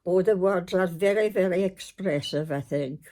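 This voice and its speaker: A woman's voice: lowish voice, moderate pace, mellow. An elderly woman from north-east Scotland with a Doric accent, reminiscing in an informal interview with brief, plain-spoken answers. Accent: north-east Scottish Doric.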